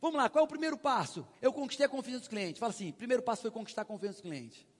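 Sales trainer, man, very high pitch, animated storyteller working the crowd, long hall reverb. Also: racing. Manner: animated storytelling, acts out dialogue, prompts audience. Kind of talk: live sales seminar talk.

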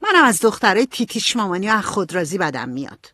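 A woman's voice: medium pitch, sing-song, bright, forceful tone, no room sound, clean studio sound, voice pushed up. A woman voicing a tomboyish fifteen-year-old girl who talks in a blunt, boisterous way. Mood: defiant.

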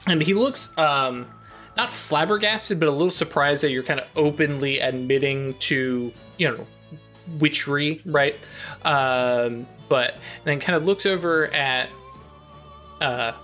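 A man narrating as game master of a tabletop role-play, talking in a halting way with many fillers and restarts. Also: a little high, bright, forceful tone, faint music behind. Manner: halting, lots of fillers and self-corrections.

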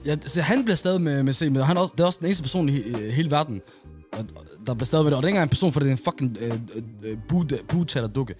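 A man's voice: on the high side, animated, a little mellow, faint music behind. A young man co-hosting a podcast in casual chat, telling stories animatedly with stammers and repeated words. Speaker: podcast co-host.

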